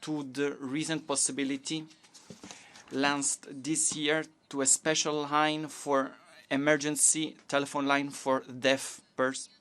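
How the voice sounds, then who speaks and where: Woman giving a formal speech, clean smooth voice, halting bits here and there. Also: sits low, level tone, a bit bright. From Portugal. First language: Portuguese. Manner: measured, halting delivery with restarts. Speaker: government minister giving a statement. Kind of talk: formal conference speech in a second language.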